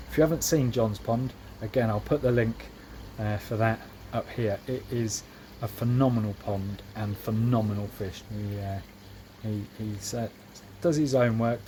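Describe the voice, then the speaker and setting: Man, chatty garden vlog, relaxed homely talk, faint outdoor noise behind. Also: lowish voice. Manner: chatty, homely, filler-heavy. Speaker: koi keeper vlogger. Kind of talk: casual vlog narration. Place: outdoors in a back garden by a pond. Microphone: camera mic, moving between handheld and tripod.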